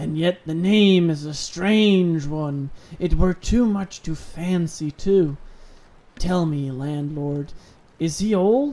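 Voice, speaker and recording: The pace here is very slow. It comes in a put-on character voice. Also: man, high pitch for a man, ordinary pitch variation. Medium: read story. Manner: earnest, forceful.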